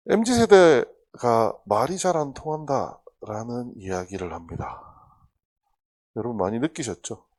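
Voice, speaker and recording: A woman pastor preaching a sermon in a church, telling stories animatedly. She acts out quoted dialogue, jumping to loud bursts and dropping to hushed asides. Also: rumbling low. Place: church sanctuary.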